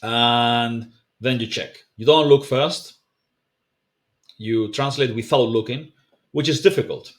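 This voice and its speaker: A man whose first language is not English, explaining a language practice method to camera in a relaxed, conversational way with frequent fillers and self-corrections. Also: medium pitch, slow, pauses often. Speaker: language teacher. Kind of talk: casual explainer video, talking to camera.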